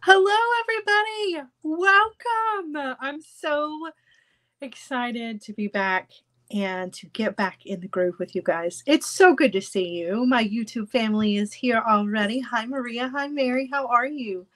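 A woman's voice: fairly high pitch, measured pace. A woman in her thirties with a stuffy, congested voice, chatting casually with viewers from her home craft room. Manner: chatty, animated, gestures with hands. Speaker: jewelry-making livestream host. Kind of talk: casual live chat with viewers.

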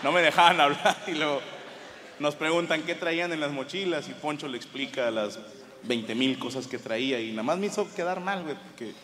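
A Mexican man with a Mexican Spanish accent, doing profane, animated stand-up storytelling on a live comedy stage. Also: fairly high pitch, brisk, a crowd in the background. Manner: profane, animated, bursts into shouted punchlines. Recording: live hall reverb with audience noise.

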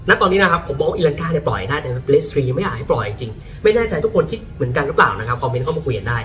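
A man talking about football in a casual, lively way, often breaking into exclamations. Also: a little high, far from the mic. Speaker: football pundit. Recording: voice a bit off-mic, faint music behind.

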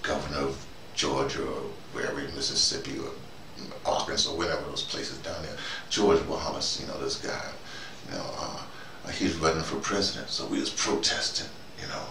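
An older American man giving a rambling, halting conversational monologue, repeating himself and speaking colloquially with emphasis. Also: extremely low pitch, vocal fry. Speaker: host, storytelling activist. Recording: noisy, roomy, distant microphone.

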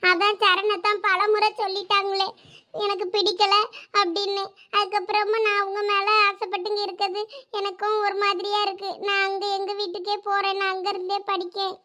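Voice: extremely high pitch, completely flat delivery, normal speed, bright, forceful tone. A woman playing a sulky, tattling first-year college girl in a village comedy skit, with a Thoothukudi Tamil accent.

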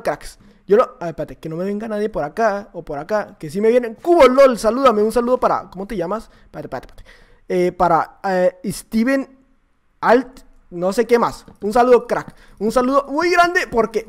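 High-voiced, excitable Mexican gamer guy. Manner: excitable, shouting and joking at opponents; rapid repeated exclamations. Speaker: YouTuber playing a block-building game. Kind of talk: live gameplay commentary.

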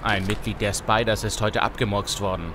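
Ein Mann spielt in einem deutschen Hörspiel einen gebieterischen, besonnenen Straßengangboss, der im Slang Befehle gibt. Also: male voice, on the low side, level tone, moderate pace, noisy background, natural voice. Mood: firm, bossy. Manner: authoritative, slangy, giving orders. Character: commanding Brooklyn street gang leader, male, urging prudence. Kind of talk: German audio drama acting.

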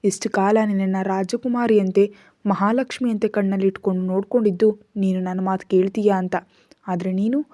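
A cold, controlling father lays down orders and threats in a mellow, low-key voice, as a woman narrator reads him. He scolds in a commanding, clipped way, with a hard edge under the calm. It is spoken storybook narration. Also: a little fast, no room sound, clean studio sound, close to an everyday voice. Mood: scolding.

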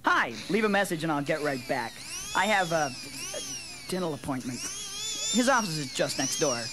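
A man playing a nervous dental patient, hesitant and halting, in a scripted comic message. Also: a little high, big pitch swings, background noise. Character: nervous man dreading his dentist appointment.

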